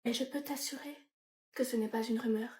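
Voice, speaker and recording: A woman voicing a sultry, heartbroken Latina woman in her twenties, with a soft, breathy, flirtatious put-on Latin American accent. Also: a little high, steady tone, a little fast, roomy sound, lightly acted. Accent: put-on Latin American Spanish.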